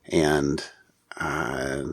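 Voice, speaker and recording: Deep voiced guy on a tech podcast, thinks out loud kinda haltingly, really dry close sound. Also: steady tone, dry recording. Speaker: podcast co-host. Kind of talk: casual tech news discussion.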